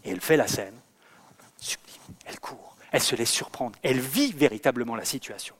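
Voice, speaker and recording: A man's voice: medium pitch, a little fast, slight background noise. A man, a theatre director, giving a lecture full of anecdotes. He acts out the scenes he describes, stumbling often over fillers and repeated words. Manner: lively storyteller who acts out scenes.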